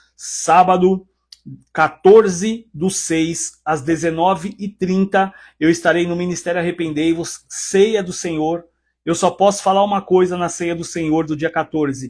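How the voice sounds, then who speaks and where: On a very clean recording with a silent background, a man speaks fairly slowly at a high pitch with fairly even intonation. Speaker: pastor and live show host. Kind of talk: live-stream show announcements. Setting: studio, live stream.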